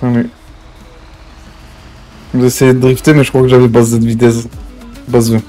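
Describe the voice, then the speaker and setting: A man's voice: mid-range voice, completely flat delivery, normal speed, warm tone, soft background music. A man chatting casually while playing an online roleplay game, slangy and joking. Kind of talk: casual gaming banter.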